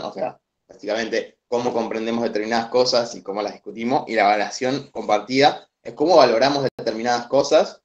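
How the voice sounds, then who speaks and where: A young man with an Argentine accent explaining a reading to classmates over a video call, hesitant, with many fillers and restarts. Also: medium pitch. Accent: Argentine Spanish. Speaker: student presenter. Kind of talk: online study session explanation. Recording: dull lo-fi video call audio.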